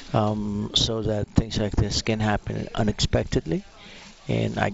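A man talks fairly slowly while noticeable background noise sounds behind him. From Philippines. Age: 60s. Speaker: heart patient and car dealership employee. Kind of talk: radio interview. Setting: hospital broadcast location. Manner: halting.

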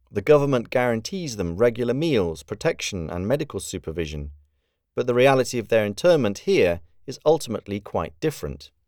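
On a very clean recording with a silent background, a man speaks fairly quickly at a medium pitch with very wide pitch swings. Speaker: podcast host. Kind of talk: scripted narration. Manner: formal.

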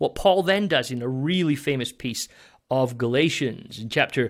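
On a very clean recording with a silent background, a man with a Scottish accent talks at a moderate pace with lively intonation. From Scotland. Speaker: pastor and theologian. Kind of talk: teaching interview.

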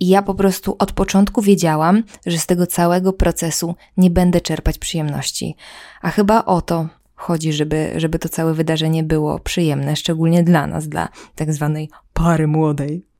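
Fairly low-pitched woman's voice, dark and mellow, with fairly even intonation and a moderate pace, on a very clean recording over a silent background. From Poland, Lublin region (Krasnystaw). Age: 30s. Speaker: podcast host. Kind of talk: casual solo monologue. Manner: chatty.

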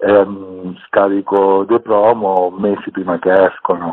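In an English accent, a man speaks very slowly with a fairly low pitch and monotone, flat intonation. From England, London. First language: English (speaking Italian). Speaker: DJ. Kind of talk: radio interview. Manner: halting.

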